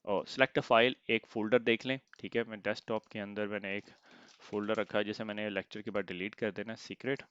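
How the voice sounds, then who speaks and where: A man teaching an IT lesson step by step, pausing often to check in, his throat slightly sore. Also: on the low side, level tone, fairly bright tone, smooth, dry recording, dull audio. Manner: explains step by step, often asks "theek hai?". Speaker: IT instructor. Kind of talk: screen-recorded software tutorial.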